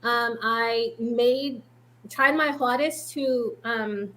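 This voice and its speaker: A woman from Boston tells her story as a guest in a loose, chatty way. She fills her sentences with ums and likes. Her voice sits high and sounds bright and sharp. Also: very slow, poor audio. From Boston, Massachusetts. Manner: chatty, rambling, with many fillers and frequent laughs. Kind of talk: casual interview talk.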